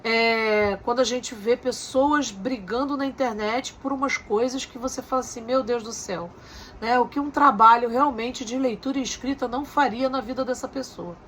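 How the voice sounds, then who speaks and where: High-voiced woman lecturing. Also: normal speed, a bit bright, a little hiss or hum. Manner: explanatory, with frequent "né?" and rhetorical questions. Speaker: teacher. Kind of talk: recorded lecture.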